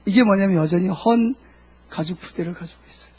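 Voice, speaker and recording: A man's voice: sits high, a little fast, dark tone, a little hiss or hum. A middle-aged male pastor preaching a sermon, asking the congregation questions and answering them himself, and voicing God's words and a believer's prayers.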